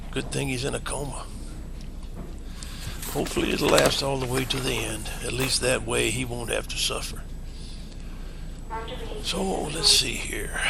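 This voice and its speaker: A man playing an elderly, conscientious doctor in an audio drama, muttering earnestly and deliberately. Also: medium pitch, vocal fry, noisy background. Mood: muttering, reflective. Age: older. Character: elderly male doctor, conscientious, muttering over medical reports.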